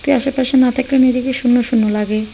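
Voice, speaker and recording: A woman's voice: sits high, fairly even intonation, fast, vocal fry, heavy background noise. A woman voicing a young husband in a storybook reading, blunt, bossy and teasing, talking in a brusque, scolding way. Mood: earnest. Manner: brusque scolding, then earnest pleading.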